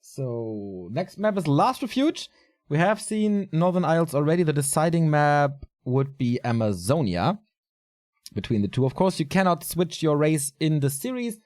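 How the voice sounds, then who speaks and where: Solo esports caster, male, tired with a light rasp, relaxed and chatty, voice sits a bit high. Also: normal speed. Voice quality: casual, chatty delivery with fillers. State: raspy voice, tired. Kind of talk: solo game commentary.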